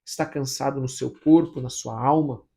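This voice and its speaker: A Brazilian pastor reading scripture and then leading a fervent morning prayer, full of repeated pleas. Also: male voice, mid-range voice, steady tone, moderate pace, creaky, dark tone. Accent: Brazilian Portuguese.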